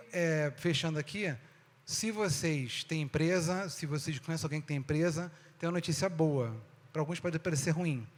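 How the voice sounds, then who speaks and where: A Brazilian man with a slightly raised voice speaks on stage to an audience, his words ringing through a hall with a long reverb. He keeps it conversational, calls the crowd "gente" and keeps asking rhetorical questions. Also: on the high side. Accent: Brazilian Portuguese. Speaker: speaker giving a talk.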